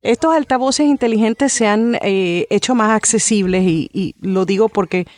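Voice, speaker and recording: A woman's voice: mid-range voice, normal speed, a little mellow, dry recording. A woman who is a guest on a podcast interview, speaking in a chatty, friendly way with many fillers.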